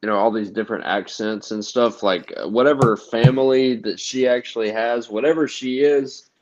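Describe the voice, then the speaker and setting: A man's voice: medium pitch, steady tone, moderate pace, darkish tone. A man from the US South co-hosting a casual political podcast. He talks loosely and leans heavily on "like" and "you know.". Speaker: podcast co-host. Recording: dull lo-fi recording.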